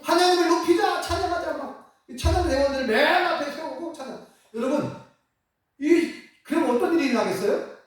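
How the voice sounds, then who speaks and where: A pastor delivering an animated sermon, firing off rhetorical questions and chuckling between points. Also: high voice, a little fast. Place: church sanctuary. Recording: echoey hall, mic at a distance.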